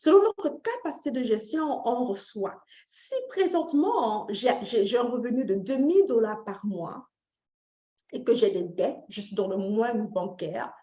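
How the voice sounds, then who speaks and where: A woman's voice: fairly high pitch, mellow. A woman from Canada teaching personal finance informally, repeating phrases for emphasis, checking in with listeners and dropping in short English tags. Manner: engages listeners directly with questions. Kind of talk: informal live teaching talk with motivational tone. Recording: roomy echo, slightly dull lo-fi sound.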